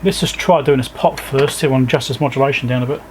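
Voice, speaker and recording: A man with a medium-pitched voice talks through hands-on repair work in a casual, low-key way. He thinks aloud one step at a time, as the host of an electronics repair video. There is noticeable background noise and workshop ambience behind him. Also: rapid-fire. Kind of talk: casual hands-on commentary while working. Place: indoor repair workbench.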